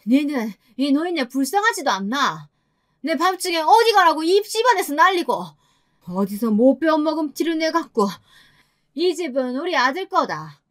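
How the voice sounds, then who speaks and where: Woman voicing an older mother-in-law from for an audio story: shrill, bossy and pushy, pitched high. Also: sing-song, normal speed, a bit bright. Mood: scolding. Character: loud domineering older mother-in-law with a regional dialect.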